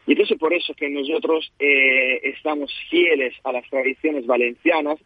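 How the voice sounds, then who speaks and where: A man from Italy with an Italian accent, a native Italian speaker, chatting as a restaurant co-founder in a phone interview, hesitant with many fillers and quick to laugh. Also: a little high, fairly even intonation, no echo. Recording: tinny dry phone line.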